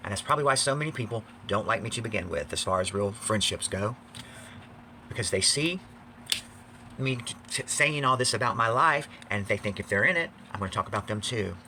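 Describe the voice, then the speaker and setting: Male vlogger, campy and theatrical, forceful bright tone, confessional delivery, faint background noise. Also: fairly low pitch. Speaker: video blogger. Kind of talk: confessional vlog to fans.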